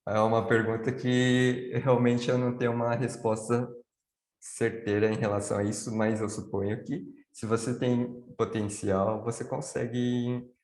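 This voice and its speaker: A man's voice: medium pitch, flat delivery, moderate pace, darkish tone, roomy sound, rough recording. A man on a video call explaining things at length, answering his own questions as he goes. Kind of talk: live online Q&A chat.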